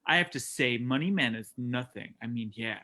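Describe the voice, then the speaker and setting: Man playing a brash, forceful trash-talking wrestler. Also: mid-range voice, normal speed. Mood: boastful, aggressive. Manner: cocky taunting. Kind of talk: staged reading of wrestling promos.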